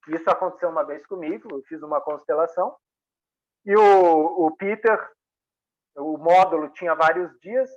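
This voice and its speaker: A man's voice: high voice, highs cut off. A man, a workshop facilitator giving a reflective talk on a video call, often checking in with tag questions. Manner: frequent tag questions, conversational.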